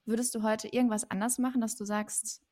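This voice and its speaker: A woman's voice: fairly high pitch, flat delivery, fairly quick, darkish tone. German woman co-hosting a podcast. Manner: friendly, loosely phrased questions with fillers. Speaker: podcast co-host. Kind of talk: casual interview chat.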